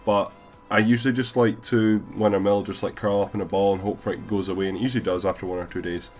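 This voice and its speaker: Male gaming vlogger, deep and low, sick with a cold, rapid rambling voiceover. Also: flat delivery, darkish tone, faint music behind. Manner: rambling, casual, many fillers. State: has a cold, stuffy. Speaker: gaming YouTuber. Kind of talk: gameplay voiceover commentary.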